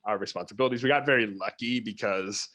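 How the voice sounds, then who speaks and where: A man's voice: on the low side, quick pace, fairly bright tone. A man talking informally as an interview guest, with asides and the odd mimicked reaction. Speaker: theatre producer, interview guest. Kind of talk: casual conversational interview.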